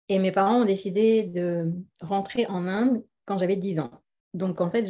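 A woman's voice: mid-range voice, dark tone. Middle-aged woman guest, lo-fi audio. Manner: earnest, often laughing, many hesitations. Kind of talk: casual interview conversation. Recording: dull lo-fi audio.

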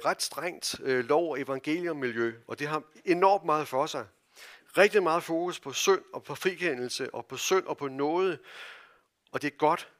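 A man with a Danish accent preaching a sermon in a church, earnest and halting, with many fillers, his voice dropping to near-whispers and rising to loud calls. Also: a little high. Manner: earnest, wide swings from loud calls to soft hushed phrases. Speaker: pastor.

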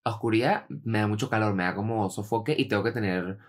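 Venezuelan guy, young, fast talker, tons of slang, just chatting with a friend. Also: fairly low pitch. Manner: animated storyteller, heavy slang. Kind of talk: casual chat.

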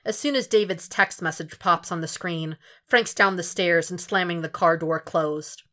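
A woman's voice: lowish voice, normal speed, a bit bright. A woman reading scripted fiction aloud as an audiobook narrator, in a dramatic storytelling style.

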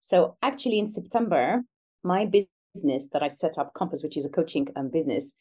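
A woman's voice: sits low, animated, a little fast, mellow. A middle-aged woman from Algeria speaking as an interview guest, reflective and conversational, earnest and emphatic about her work as a coach.

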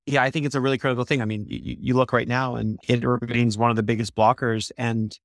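A man in his thirties, a startup co-founder, answering interview questions quickly and animatedly, with many restarts. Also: mid-range voice, little pitch movement, dry recording, clean studio sound. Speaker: startup co-founder, podcast guest.

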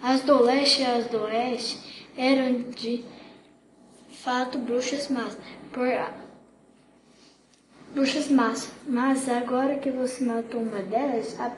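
A woman reading a children's book aloud, halting often with slips and restarts, in an echoey room with background noise. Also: a little high, fairly even intonation.

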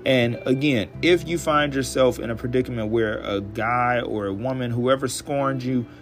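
Hoarse, chatty man with blunt talk. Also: mid-range voice, faint music behind. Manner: chatty, blunt, profane, drawn-out emphasis. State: hoarse, dry throat. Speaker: podcast host. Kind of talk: casual solo podcast monologue.

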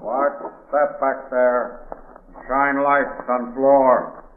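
An actor playing a big, solemn, fearful Native American cave guide who speaks terse, halting broken English in an old-time radio drama. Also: male voice, medium pitch, level tone. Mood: grave. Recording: tinny old radio recording, echoey.

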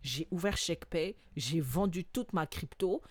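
Low-voiced woman, dry sound. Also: a little slow, slightly rough, no room sound. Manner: lively, switches between French and English mid-sentence. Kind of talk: casual chat.

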